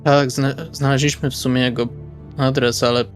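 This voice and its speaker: A man's voice: mid-range voice, level tone, normal speed. A man playing in a tabletop role-playing session, talking casually and partly in character. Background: background music.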